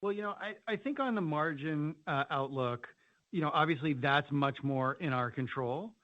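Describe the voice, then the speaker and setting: A man speaking as a company finance executive, answering analyst questions in a measured, hedging way peppered with "you know". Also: a little high, no room sound. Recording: dull, band-limited conference call audio.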